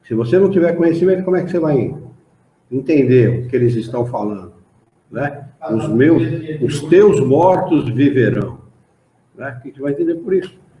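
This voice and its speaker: A man's voice: medium pitch, animated, normal speed, a little hiss or hum. A man with a Brazilian accent leading a spiritist study class, explaining texts and asking the group rhetorical questions. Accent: Brazilian Portuguese. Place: meeting room of a study association. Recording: roomy, dull lo-fi room recording.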